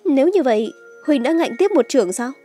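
A woman's voice: a little high, moderate pace, dark tone, faint music behind, close to an everyday voice. A woman voicing a fierce, devoted young swordswoman with anguished feeling in a martial-arts audiobook. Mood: shocked, trembling.

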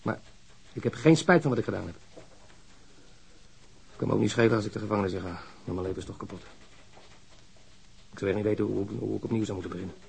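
A man acting a weary, bitter confessed killer in a radio drama, halting and resigned, with a gravelly voice. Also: lowish voice, a little mellow, exaggerated voice. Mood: resigned, defiant. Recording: noisy radio drama recording.

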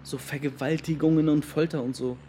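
In a naturalistic radio drama, an actor plays a defensive young Muslim man, a friend of a missing teenager, giving earnest, slangy testimony. His voice is a little high and mellow, fairly even in intonation and a bit fast, with slight background noise and a natural sound.

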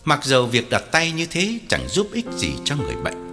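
A man's voice: mid-range voice, huge pitch swings, normal speed. A man narrating a story with dramatic, widely varied delivery. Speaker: audiobook narrator. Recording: long hall reverb, faint music.

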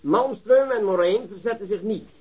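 An actor playing a pompous, commanding prosecutor briefing policemen in a radio drama. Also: male voice, high voice, moderate pace, slightly rough, lo-fi sound. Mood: self-satisfied, dictating. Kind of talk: Dutch radio drama acting.

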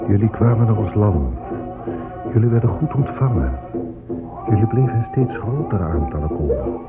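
An actor playing a proud, sorrowful Native American ruler with solemn, measured delivery in a radio drama. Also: male voice, on the low side, big pitch swings, loud music behind the voice. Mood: indignant, grieving. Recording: muffled phone-like old radio recording.

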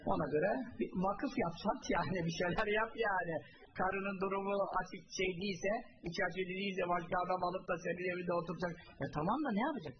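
Male preacher with a high voice, quotes and translates Arabic, muffled hissy archive tape. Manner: asks rhetorical questions and answers them himself; quotes Arabic phrases and translates each one. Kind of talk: religious talk to a congregation.

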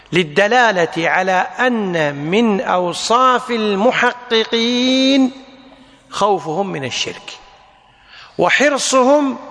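Male teacher, high bright voice, deliberate lesson delivery with repetition, reverberant hall. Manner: deliberate, repeats key phrases for emphasis. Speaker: Islamic teacher. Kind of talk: religious lesson explaining a text.

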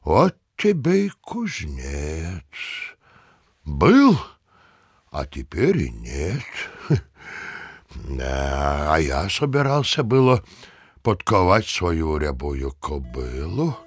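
A gravelly, husky village headman in an audio drama, recorded close and dry. He grumbles and muses very slowly, his pitch swooping wildly on exclamations. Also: huge pitch swings, no echo, full character voice. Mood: musing regret. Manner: slow, musing, exclamatory. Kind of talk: audio play acting.

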